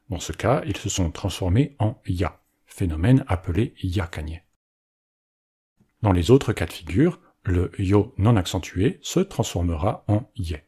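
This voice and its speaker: Deep husky guy reading a language lesson, lively up and down, mellow tone. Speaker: language teacher. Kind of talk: scripted educational narration.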